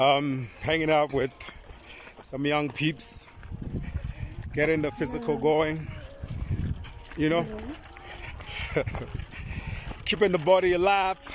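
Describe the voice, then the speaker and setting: A man at a fairly slow pace with long, frequent pauses and ordinary pitch variation, in a dry sound with no echo over noticeable background noise. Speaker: radio show host. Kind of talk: casual vlog chat. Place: open country. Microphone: phone near.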